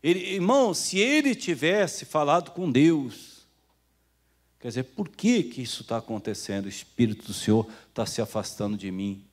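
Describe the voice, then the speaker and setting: A man's voice: mid-range voice, big pitch swings, moderate pace. A man with a Brazilian Portuguese accent preaching a sermon as pastor, talking to the congregation like brothers and acting out the people he quotes. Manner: conversational preaching, calls listeners "irmão", acts out quoted voices.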